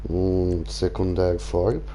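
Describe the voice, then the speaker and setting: A young man with a Swiss German accent, giving casual commentary while playing a game, relaxed and mumbling his choices aloud. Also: sits low, slow pace, slight background noise. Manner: relaxed, mumbling asides while choosing options. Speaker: gaming streamer.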